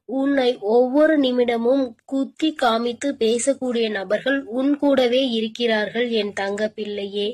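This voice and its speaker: A woman giving voice to a mother goddess who is protective but stern, speaking a devotional divine message in a somewhat high voice. She talks to the listener as her own child and gives firm, step-by-step instructions.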